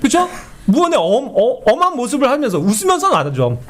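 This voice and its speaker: A man teaching a Bible study in an animated way, who keeps asking his listeners to agree and acts out quoted speech. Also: very high-pitched, fast talker. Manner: animated, often asks the group for agreement.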